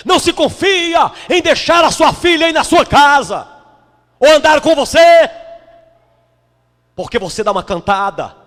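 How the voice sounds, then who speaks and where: A man from Brazil, a bishop delivering an impassioned, scolding sermon that breaks into shouts. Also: very high voice. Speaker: bishop preaching. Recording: long hall reverb.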